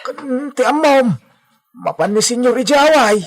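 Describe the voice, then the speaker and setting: A man's voice: very high voice, animated, a little slow, heavily acted. A man playing an older male farmhand who frets and scolds, sighing and exclaiming as he worries. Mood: worried. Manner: worried, fussing, many sighs and exclamations. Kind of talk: amateur audio drama acting.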